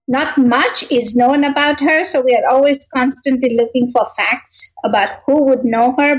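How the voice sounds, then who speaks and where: A middle-aged woman from Kenya talks about her life as an interview guest. Her voice sits high, and she tells her story in a reflective way. She laughs now and then and fills her talk with "you know". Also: rough recording.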